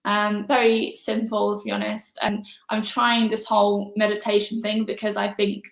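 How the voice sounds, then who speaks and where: Flat-voiced woman in an echoey room. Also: medium pitch, creaky. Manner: soft-spoken, many fillers and pauses. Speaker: interview guest. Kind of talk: casual interview answers.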